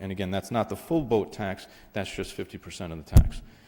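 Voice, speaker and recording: In a dark, mellow tone, a man delivers his words fairly quickly. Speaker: presenter at town board meeting. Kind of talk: public presentation at municipal meeting. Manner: fast.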